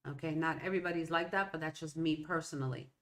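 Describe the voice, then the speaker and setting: A middle-aged woman, Spanish her first language, hosts a solo motivational podcast in Hispanic American English. Her voice sits low, steady and fast. She rambles conversationally, constantly interrupting herself with "okay?" and "right?".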